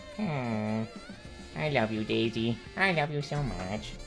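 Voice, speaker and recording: A put-on character voice speaks low at a fairly slow pace. Loud music plays in the background. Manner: cutesy, affectionate.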